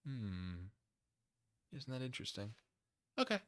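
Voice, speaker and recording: A man hosting a live stream, reading documents aloud and commenting casually with conversational, animated asides. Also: medium pitch, a little slow. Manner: conversational, animated asides, acts out imagined dialogue.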